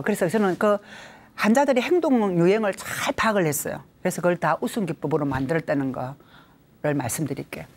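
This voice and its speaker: A woman's voice: fairly low pitch, slight background noise. A middle-aged woman with a Gyeongsang accent giving a laughter therapy lecture, leading counting exercises. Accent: Gyeongsang Korean. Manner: animated, leads counting drills with bursts of laughter. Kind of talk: lively lecture with group exercises.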